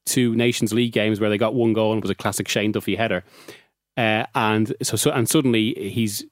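An Irish man who works as a football journalist chats about the game as a regular guest on a podcast, often restarting his thoughts and laughing. His voice sits on the low side with fairly even intonation and a brisk pace. The recording is dry and clean, with studio quality.

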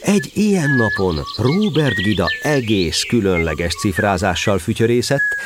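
A man narrating a children's story in an expressive storytelling style. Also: fairly low pitch, very noisy.

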